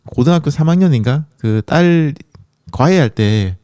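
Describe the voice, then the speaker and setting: A man's voice: a little high, expressive, moderate pace, dark tone, clean tone, dry recording, clean studio sound. A man hosting a running podcast in a chatty, encouraging monologue, with a sore throat from a coming cold. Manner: encouraging, chatty, many fillers.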